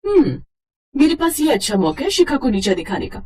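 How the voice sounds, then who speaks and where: A woman voicing a scheming, jealous young sister-in-law who plots slyly in an animated storybook. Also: high-pitched, a little fast, slight background noise, voice pushed up. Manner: sly, conspiratorial.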